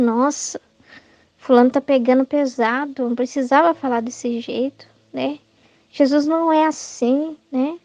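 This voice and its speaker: A woman's voice: high voice, darkish tone, no echo, dull audio. A Brazilian woman giving informal Catholic spiritual teaching, talking conversationally, often adding "né?" and acting out quoted thoughts. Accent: Brazilian Portuguese.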